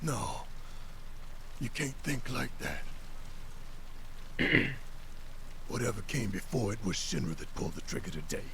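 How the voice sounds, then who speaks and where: Gravelly, anguished big rebel fighter. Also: male voice, fairly low pitch, very animated, measured pace, long pauses, noisy background, exaggerated voice. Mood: grave, subdued. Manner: forceful, emotional. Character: big gruff anguished father, hot-headed rebel fighter. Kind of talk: dramatic video game acting.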